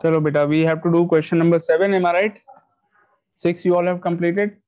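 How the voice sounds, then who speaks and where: A man's voice: high-pitched, level tone, a little fast. A man with a South Asian accent teaching maths in an online class, mixing Hindi and English and checking in with short questions. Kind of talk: online class lesson, addressing pupils. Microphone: video call. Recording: dull lo-fi online call audio.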